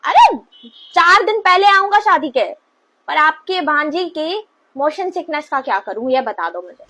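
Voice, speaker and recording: A woman's voice: high voice, expressive, unhurried, sharp tone, slight background noise, exaggerated voice. A woman playing a sly young husband who makes cheerful-sounding excuses to his in-laws. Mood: fake-cheerful. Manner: fake-cheerful, excuse-making.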